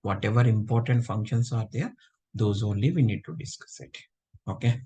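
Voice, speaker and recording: A man's voice: lowish voice, normal speed, dark tone, husky. A man teaching a live online class, feeling unwell and checking in with students often. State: unwell, low voice. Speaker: instructor.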